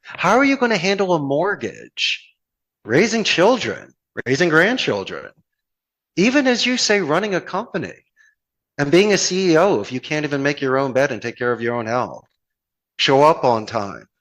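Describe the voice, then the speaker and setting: A Philadelphia call center owner with a matching accent guests on a conversational podcast, his fairly high, fairly bright voice very animated at normal speed. He delivers motivational anecdotes in an earnest, flowery manner, leaning on plenty of rhetorical questions.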